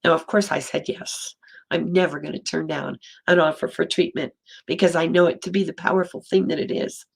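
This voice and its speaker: A woman minister giving a gentle, storytelling sermon in a slightly hoarse voice, slowing and softening for emphasis. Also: sits low, fairly even intonation. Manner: gentle storytelling, slows and drops to near whisper for emphasis. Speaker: interim minister. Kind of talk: sermon talk.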